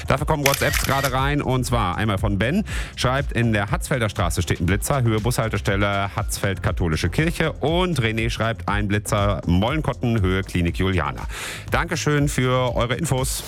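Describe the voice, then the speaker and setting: A chatty man hosts a local morning show in an upbeat way. His pitch swings lively up and down as he talks. A soft music bed runs beneath him in the studio. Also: normal speed. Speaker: morning radio host. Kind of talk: casual radio presenting. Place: radio studio. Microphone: studio microphone.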